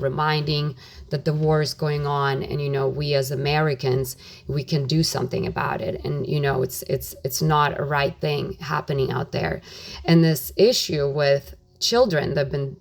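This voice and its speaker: A woman's voice: sits low, gravelly. A middle-aged woman from Ukraine, a nonprofit president speaking as a guest on a radio interview, talking earnestly with many "you know" fillers. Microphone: phone or studio mic on radio.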